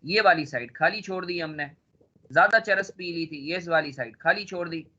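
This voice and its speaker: A man's voice: high-pitched, normal speed, sharp tone, muffled recording. A male accounting teacher with a sore throat, lecturing a class in a teasing way and drilling students with repeated questions.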